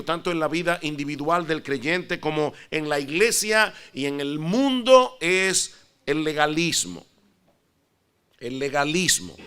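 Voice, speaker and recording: A middle-aged man from the Dominican Republic with a Dominican Spanish accent, preaching a sermon in an earnest, measured way and praying softly. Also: high-pitched, clean tone. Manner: earnest, measured preaching with soft, hushed prayer. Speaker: pastor.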